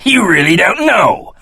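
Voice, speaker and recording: A man voicing a cowardly, wheedling prisoner in a video game, raspy and creaky, with a nervous, slangy stammer. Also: very high-pitched, bright, forceful tone, heavily acted. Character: jittery, cowardly, wheedling male prisoner, cynical and eager. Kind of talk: video game character acting.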